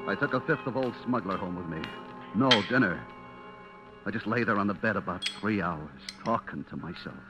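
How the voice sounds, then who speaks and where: A man's voice: fairly low pitch, brisk, dull audio, lightly acted. An actor as a jittery noir everyman. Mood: tense, confessional. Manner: jittery, clipped, confessional. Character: nervous, cornered noir everyman telling his own story. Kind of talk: old-time radio suspense acting and narration. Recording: vintage radio recording with music behind.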